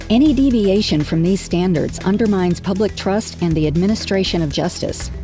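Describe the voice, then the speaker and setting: Fairly quick speech from a woman with a fairly low pitch, ordinary pitch variation and a serious tone, music in the background. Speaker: voice actor. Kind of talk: legal training narration. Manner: authoritative, clear, serious.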